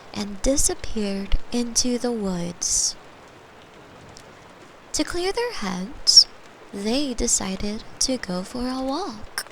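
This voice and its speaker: A woman in a gentle ASMR bedtime roleplay as a caring girlfriend, speaking softly and at times whispering, close to the microphone. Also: fairly high pitch, gravelly, slight background noise, rough recording. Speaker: audio roleplay performer playing a caring girlfriend.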